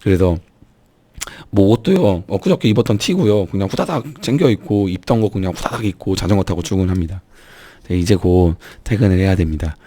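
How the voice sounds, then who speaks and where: A man's voice: deep voice, expressive, fairly quick, warm tone, dry recording. A man with a strained, sore throat speaking earnestly and emphatically to viewers in a motivational vlog, urging them on as an online business YouTuber.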